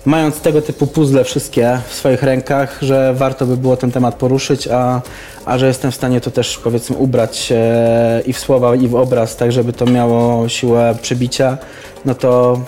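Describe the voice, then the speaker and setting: Mellow, even-toned man explaining carefully. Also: mid-range voice, moderate pace. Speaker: interview guest, campaign activist. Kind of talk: informal explanatory interview talk.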